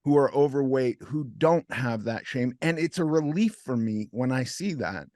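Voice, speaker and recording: A middle-aged male host speaks in a dry, close recording. He talks haltingly in a casual interview and stumbles over repeated words as he begins his points. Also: mid-range voice, lively intonation, a little mellow, dry recording. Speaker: podcast host.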